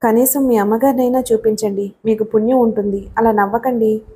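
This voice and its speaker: A woman's voice: fairly high pitch, fairly even intonation, a little fast, dark tone, slight background noise, lightly acted. Arundhati, a woman reading her as a frightened pleading wife. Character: frightened, desperate young wife and mother. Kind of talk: audiobook character reading.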